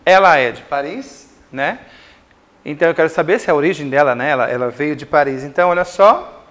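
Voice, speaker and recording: A Brazilian man teaching English grammar in a recorded school lesson, explaining slowly with repeated examples and checks like "certo?". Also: fairly high pitch, expressive, a bit bright. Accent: Brazilian Portuguese.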